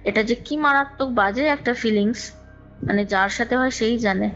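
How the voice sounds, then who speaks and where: A woman with a fairly high voice recounts her own experience in a chatty, emphatic way. She often repeats phrases and drops in English words. The sound is a dull, lo-fi call recording with music playing underneath. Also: normal speed, fairly bright tone. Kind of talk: conversational personal storytelling.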